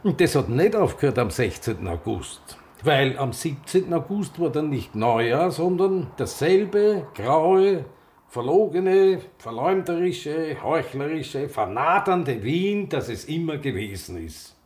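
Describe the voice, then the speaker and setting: A man's voice: fairly high pitch, sing-song, measured pace, darkish tone. An actor playing an embittered older Viennese gay man reminiscing in a naturalistic radio drama, speaking emphatically. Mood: scornful.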